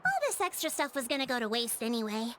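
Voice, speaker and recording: A woman's voice: on the high side, very animated, quick pace, very noisy. An actress voicing an earnest, easily flustered young female tribal chief in an anime game. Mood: upbeat explaining. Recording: music playing behind the voice.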